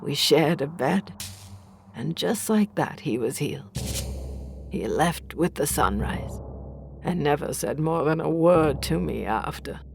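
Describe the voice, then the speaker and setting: A woman playing an accused village healer, bitter and defiant, narrating a horror audio drama gravely and deliberately in a creaky voice. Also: sits low, animated, exaggerated voice. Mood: bitter, hushed. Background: faint music.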